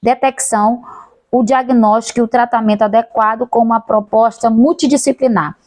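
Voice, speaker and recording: A woman teacher with a Brazilian accent giving a class lecture, who talks fast, swallows some words and corrects herself. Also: on the high side, fairly even intonation, darkish tone, no room sound.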